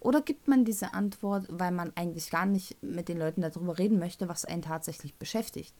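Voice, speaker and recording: A woman's voice: on the low side, a little fast, warm tone. A woman in her thirties with a Thuringian German accent, hosting her own podcast in a rambling, casual way with fillers and self-corrections. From North Rhine-Westphalia, Germany. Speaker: podcast host. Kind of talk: casual solo podcast talk.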